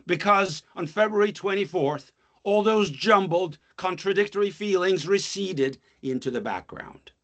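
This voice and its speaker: A man's voice: high-pitched, animated, fairly bright tone, muffled recording. Solemn man reciting his own poem. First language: Russian. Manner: measured, solemn recitation with long pauses; thoughtful academic talk with many filler uhs. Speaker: guest speaker, poet and scholar. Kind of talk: reading his poem, then lecturing. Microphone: video call.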